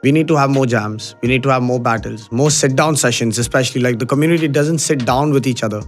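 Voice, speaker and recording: Fast-talking Pakistani man mixing Hindi and English. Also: medium pitch, music in the background. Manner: slips between English and Hindi-Urdu. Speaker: podcast guest, breaker. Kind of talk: casual interview chat mixing Hindi and English.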